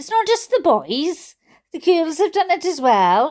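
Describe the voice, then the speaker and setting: With a Welsh accent, a woman speaks with very wide pitch swings. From Wales. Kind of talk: humorous story reading with casual commentary.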